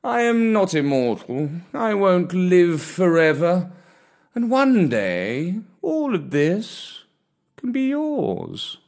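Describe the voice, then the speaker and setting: A man reading a storybook who voices an elderly male cat, slow, stately and courteous. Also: high voice, sing-song, darkish tone, pitched above the performer's own voice, exaggerated voice. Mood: fond.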